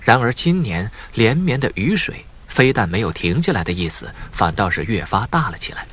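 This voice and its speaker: A man's voice: fairly low pitch, big pitch swings, moderate pace, fairly bright tone, slightly rough. A man reading a novel aloud as an audiobook narrator, in scripted dramatic storytelling.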